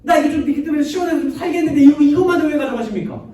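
A man's voice: very high-pitched, animated, brisk, heavy reverb, far from the mic. Jonah, a man doing a stubborn sulking prophet. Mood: indignant. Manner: petulant shouting complaints.

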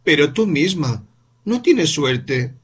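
In this storybook, an insistent young boy fires off question after question, his voice pitched well up and rough with breath, as a man reads him. He is curious and stubborn, never content with an answer. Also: very animated, slow pace, full character voice. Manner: eager questioning, rising pitch. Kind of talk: audiobook character reading.

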